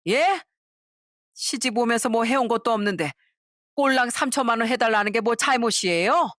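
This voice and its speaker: A woman's voice: on the high side, normal speed, a bit bright, no echo, studio quality, pitched above the performer's own voice, close to an everyday voice. A woman playing a whining greedy mother-in-law. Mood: indignant. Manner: wailing, whiny.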